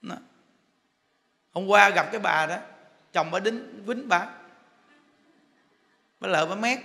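Bright-voiced Southern Vietnamese monk joking. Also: male voice, sits high, slow, creaky. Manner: chatty, joking storyteller. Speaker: Buddhist monk teacher. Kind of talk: humorous dharma talk. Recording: echoey hall with faint noise.

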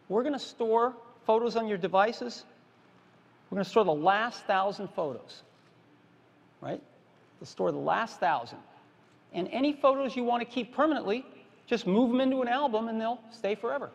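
High, gravelly man pitching on a hall stage. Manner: plain, repetitive, emphatic product pitch. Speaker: keynote presenter. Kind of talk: product keynote presentation. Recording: reverberant conference hall.

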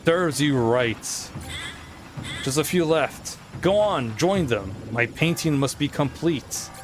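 A man voicing a gloating, short-tempered ghost king villain from a video game, with slow theatrical menace. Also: a little high, expressive, music in the background. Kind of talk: reading video game dialogue aloud in character.

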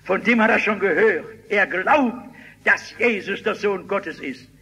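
Husky older preacher. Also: male voice, high-pitched, measured pace, low-quality recording. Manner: animated storytelling, shouting out quoted cries. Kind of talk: sermon.

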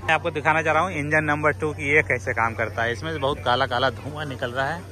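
A middle-aged man with an Indian accent and a slightly high voice hosts a casual vlog. He talks informally and instructively, pointing things out as he goes, recorded outdoors on a phone at arm's length. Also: fairly even intonation, fast, bright, forceful tone. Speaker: vlog host. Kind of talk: casual explanatory vlog narration. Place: outdoors in an open parking lot at a public event.

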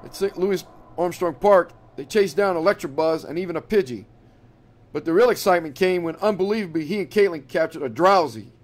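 A man narrating a horror story, dramatic and slowing down for the dark passages. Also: sits high. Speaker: audiobook narrator. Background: background music.

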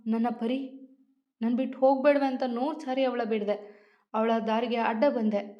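A sorrowful man, normally stern, pleads in soft, broken questions, voiced by a woman narrator. The storybook voice sits a little high. The recording sounds dull and lo-fi. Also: lightly acted. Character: grieving man, usually stern, now tearful.

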